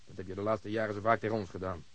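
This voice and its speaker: An actor playing a mocking, reckless police detective in a radio drama. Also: male voice, on the low side, little pitch movement, very fast, fairly bright tone. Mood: dry, determined. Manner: mocking, taunting, chuckling. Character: sardonic, reckless, swaggering male police detective. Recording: dull radio drama recording, noisy background.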